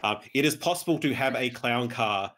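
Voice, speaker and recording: A man's voice: medium pitch, lively intonation, moderate pace, fairly bright tone. A man speaking casually as a panelist on a video call. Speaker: panelist, podcast writer. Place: indoor room, remote video call.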